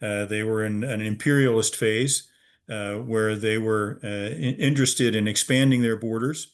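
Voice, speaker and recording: A middle-aged American man from Virginia, a museum's head of research, explaining history as an interview guest over a video call, measured and pausing often with "uh". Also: lowish voice, steady tone. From Virginia, USA. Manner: measured, with frequent "uh" pauses.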